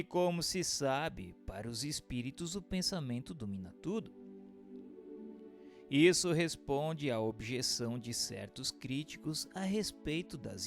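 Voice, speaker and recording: A Brazilian man delivers formal, scripted narration as if for an audiobook. His intonation swings widely, lifting and falling with deliberate, declamatory phrasing. There is a noticeable fry in his voice, and faint music plays behind him. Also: on the high side. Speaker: narrator reading a book aloud.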